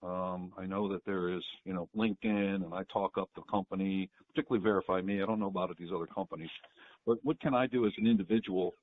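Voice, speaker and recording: Male investor caller, lowish voice, informal, muffled line with slight hiss. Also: fairly even intonation, fast talker. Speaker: individual investor calling in. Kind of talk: informal question on an earnings call. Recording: dull phone line with faint hiss.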